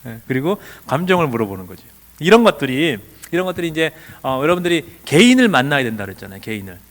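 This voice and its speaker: Middle-aged male seminar lecturer, lively up-and-down delivery, fairly high voice, keeps asking the room questions. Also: quick pace. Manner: asks rhetorical questions, acts out quoted dialogue. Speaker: lecturer at a church teacher training.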